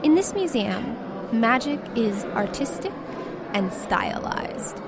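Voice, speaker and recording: A woman's voice: on the high side, very animated, slow pace, very noisy. A woman acting as game master, narrating a tabletop roleplaying story in a casual, descriptive way. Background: background music.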